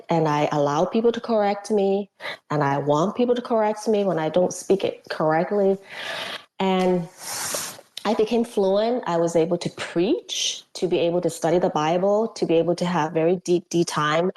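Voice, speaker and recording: A woman recounts her experiences in a casual interview. Her voice sits a little low, and she tells things with animation, slipping into little acted quotes and laughter between fillers. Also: a little mellow, rough recording. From Hong Kong. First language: Cantonese. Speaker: guest, former missionary.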